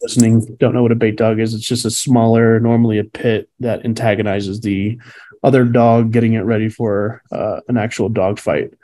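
A man's voice: lowish voice, level tone, moderate pace, warm tone. A man born in Cuba, a dog trainer chatting as an interview guest, rambling through his story with frequent fillers and laughs. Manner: rambling, laughs between stories. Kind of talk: casual interview answers.

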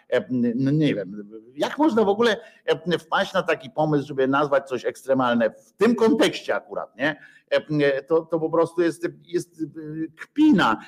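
Male host, mid-pitched, sarcastic and foul-mouthed, halting rambling delivery. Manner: sarcastic, profane, full of hesitations. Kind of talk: rambling satirical monologue.

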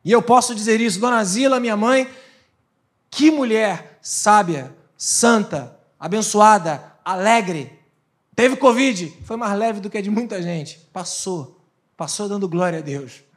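Male pastor, high voice, sermon delivery, dramatic loud-soft contrasts. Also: animated, measured pace. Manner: dramatic swings between loud preaching and hushed asides.

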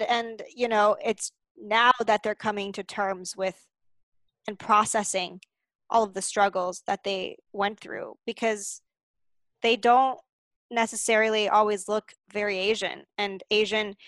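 A woman's voice: mid-range voice, fairly even intonation, slow, a bit bright, no echo. A woman hosting a casual interview, asking questions and adding encouraging replies. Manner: asks questions, encouraging back-channel replies.

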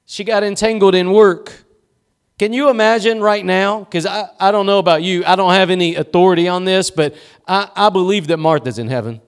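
A man's voice: high voice, a little fast, clean tone. A male pastor preaching a sermon in a church, with emphatic repeated cadences and rhetorical questions.

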